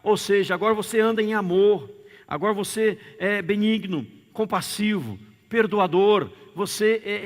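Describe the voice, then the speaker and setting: A Brazilian pastor preaches with a high, forceful voice, repeating key words and drawing amens from the congregation. His sermon rings through a reverberant church hall with a long, lingering echo. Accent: Brazilian Portuguese. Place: church sanctuary.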